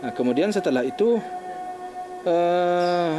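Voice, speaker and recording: An older man, a bereaved father, recounting events in an interview in a halting, shaken way, often restarting his sentences. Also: high-pitched, animated, over music. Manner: halting, restarting, acting out phone calls.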